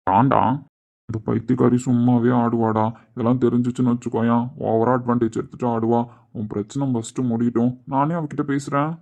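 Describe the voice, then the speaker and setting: A man playing Sanjay, a brash, gruff young man who hides his love, in a web drama. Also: medium pitch, flat delivery, brisk, darkish tone, lightly acted. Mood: dismissive. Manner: gruff, blunt, hot-tempered. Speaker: actor in a web series. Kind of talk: dramatic dialogue. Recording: dull lo-fi recording.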